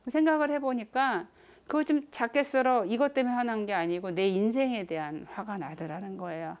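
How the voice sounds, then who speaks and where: A middle-aged woman giving a lecture on nonviolent communication, asking the audience questions and acting out quoted family members with sudden jumps in pitch. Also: brisk, a little mellow.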